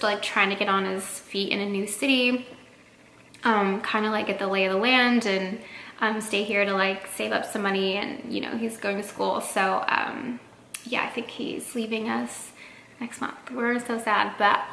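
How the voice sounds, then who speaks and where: Woman vlogger, 30s, casual and chatty, fillers everywhere, bright voice in a roomy space. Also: mid-range voice. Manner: chatty, many fillers, eats while talking. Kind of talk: casual talk to camera. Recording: echoey room with faint noise.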